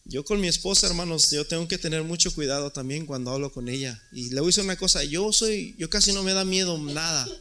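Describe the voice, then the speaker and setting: A man delivers a sermon as pastor. His voice sits fairly high for a man, with a gravelly edge and a piercing, bright tone. He preaches emphatically and circles back over his own words.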